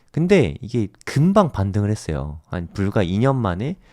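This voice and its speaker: On a very clean recording with a silent background, a man's fairly low pitch moves through very wide swings in a dark, mellow tone. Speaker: crypto investment educator and YouTuber. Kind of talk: livestream commentary. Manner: casual, with frequent laughs.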